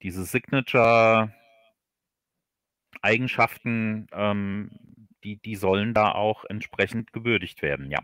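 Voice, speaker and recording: A man in an unscripted interview, speaking haltingly and often repeating words as he looks for phrasing. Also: on the low side, fairly bright tone, smooth, dry recording, studio quality. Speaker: author being interviewed on a livestream.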